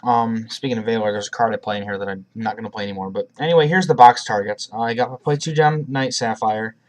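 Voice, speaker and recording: A man's voice: on the low side, steady tone, fast. A man presenting a card deck profile in a casual, rambling way, with frequent restarts and a cough drop in his mouth. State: has a cough, talking around a cough drop.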